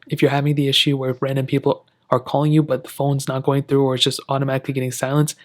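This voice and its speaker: A man presents a casual how-to tutorial at a very brisk clip. His pitch stays flat and steady throughout, and his phrasing is informal and wordy, aimed directly at the viewer. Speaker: tech tutorial host. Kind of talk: casual step-by-step tutorial narration.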